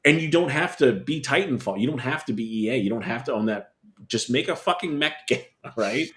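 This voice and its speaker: A man's voice: mid-range voice, animated, brisk, a bit bright. A man talking as a podcast panelist about games in a blunt, opinionated, casual way. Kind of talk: casual gaming chat.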